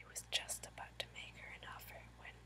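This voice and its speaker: There is noticeable background noise as a woman talks at a moderate pace. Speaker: story reader. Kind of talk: storytelling read-aloud. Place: home room. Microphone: webcam.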